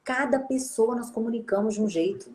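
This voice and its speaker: A woman's voice: fairly high pitch, a little fast, darkish tone. A woman with a Brazilian Portuguese accent, a speech therapist hosting a casual interview chat, who talks with animation and acts out little quoted greetings. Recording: echoey room.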